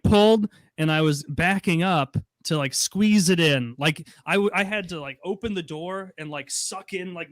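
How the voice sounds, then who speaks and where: A young man with a fairly high voice tells a story on a podcast, casual and lively, swearing freely and acting out the people he quotes. The sound is dry and close, with no room in it. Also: no room sound. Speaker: podcast co-host.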